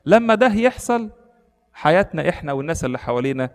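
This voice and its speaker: A man's voice: fairly high pitch, big pitch swings, quick pace, long reverb tail. A man with an Egyptian accent preaching a sermon, telling a story and earnestly urging the congregation. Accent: Egyptian Arabic.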